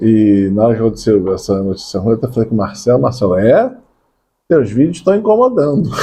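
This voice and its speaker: A man's medium-pitched, somewhat breathy voice with a dark, mellow tone, lively intonation and a fairly quick pace. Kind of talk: informal sermon talk to camera. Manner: soft-spoken. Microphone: new more sensitive microphone.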